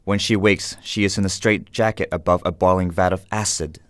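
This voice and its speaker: A man narrating an audio drama in an ominous, measured, scripted style. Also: low-pitched, fairly even intonation. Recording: loud music under the voice.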